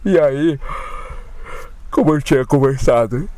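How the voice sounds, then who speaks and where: A man casually recounting his own frightening experience, talking in a colloquial, animated way with slang and swearing. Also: medium pitch, a little slow, dry recording. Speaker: channel host telling his own spiritual experiences. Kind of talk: casual first-person storytelling.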